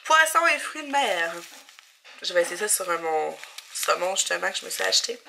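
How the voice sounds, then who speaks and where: A woman's voice: fairly low pitch, big pitch swings, normal speed, vocal fry, background noise. A young woman with a Quebec French accent and a stuffed-up nose, chatting casually and thinking aloud in a vlog at home. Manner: rambling, informal, thinking aloud. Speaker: vlogger and mother. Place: indoors at home.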